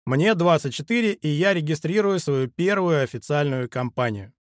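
A man in his forties reading his own audiobook in an earnest, measured way, speaking straight to the listener. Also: a little high, animated, no room sound, clean studio sound. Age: 40s. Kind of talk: audiobook narration.

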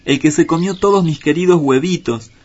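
A man voicing a fretful, indignant housewife crow in a storybook reading, with a shrill, tearful complaining manner. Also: normal speed, breathy edge, lightly acted. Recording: dull lo-fi with faint hiss.

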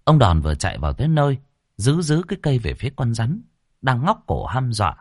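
A man telling a dramatic story with vivid, expressive narration. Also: medium pitch, fairly quick, no room sound, studio quality.

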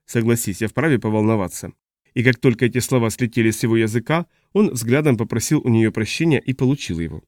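Man narrating in a dark, dry voice. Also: medium pitch, lively intonation, quick pace, few pauses, no room sound. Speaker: audiobook narrator. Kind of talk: scripted narration.

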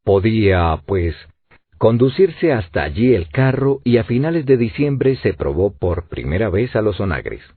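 Male audiobook narrator, expressive and lively, low husky voice, dry narrow audio. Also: measured pace, no echo. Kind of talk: scripted narration. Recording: narrow phone-like sound, dry.

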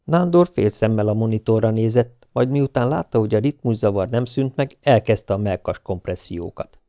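A man reading an audiobook in an even, measured way. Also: lowish voice, no echo. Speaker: audiobook narrator. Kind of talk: audiobook narration.

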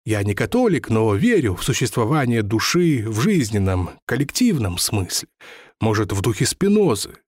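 A man's voice: on the low side, very animated, moderate pace, darkish tone, slightly rough, no echo, studio quality. A man reading an audiobook, voicing a touchy, formal older lottery seller who talks in a pompous, stiffly polite way. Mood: musing.

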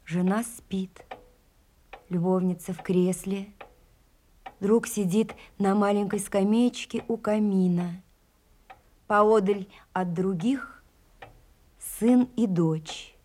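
A woman's voice: fairly low pitch, mellow, slight background noise. A woman narrator reading scripted scene-setting narration for an audio drama.

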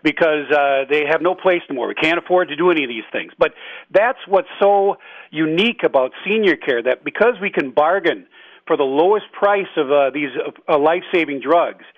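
A man, a state representative, talking earnestly on a phone-in interview, pausing often with filler sounds. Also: fairly high pitch, lively intonation, dry recording. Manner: halting, with many filler sounds; tells stories earnestly. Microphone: telephone. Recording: dull, dry phone line.

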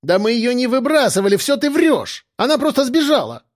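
A man voicing a shrill, brash, quarrelsome woman who yells indignantly, in an audiobook. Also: sing-song, brisk, no echo, clean studio sound. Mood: yelling. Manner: screeching, indignant, yelling.

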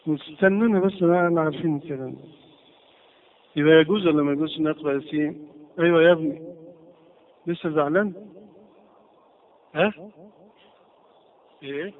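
A man's voice: on the high side, brisk, long pauses. An Egyptian man teaching a religious lesson, quizzing his class with repeated questions. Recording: tinny lo-fi lecture recording.

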